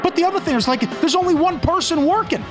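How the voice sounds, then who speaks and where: A man's voice: very high-pitched, quick pace, over music. A man hosting a sports betting show, telling stories in casual banter and often restarting his sentences. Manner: animated storytelling with repeated restarts. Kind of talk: casual banter, then ad read.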